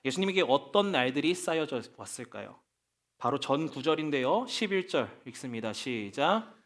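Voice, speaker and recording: A male pastor delivers a sermon in a church, and his voice sits a little high and moves in lively swings. He talks in an easy, conversational way and keeps asking rhetorical questions of his listeners. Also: moderate pace.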